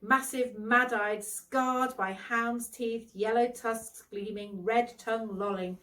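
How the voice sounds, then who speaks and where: A woman narrating a storybook expressively, with dramatic, deliberate phrasing. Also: a little high, fairly even intonation, sharp tone, distant mic, rough recording.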